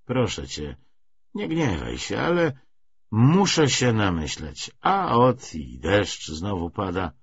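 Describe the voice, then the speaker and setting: A man reading aloud the part of a good-natured but evasive young man, halting and musing as he talks. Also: on the low side, very animated, husky, highs cut off, heavily acted. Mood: evasive, thoughtful.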